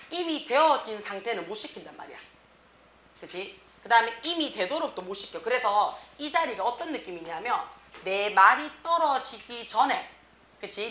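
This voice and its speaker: A woman teaching an English grammar class, checking in with the students after nearly every phrase. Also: a little high. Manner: tag question after nearly every phrase, lively reading. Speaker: English teacher at a cram school. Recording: echoey room.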